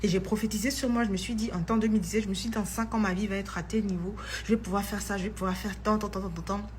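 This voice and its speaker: A woman's voice: medium pitch, quick pace, a little hiss or hum. A woman who tells a personal faith testimony in a chatty vlog, dropping in English phrases. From Ivory Coast. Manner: chatty, mixes in English phrases, grows excited. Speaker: vlogger.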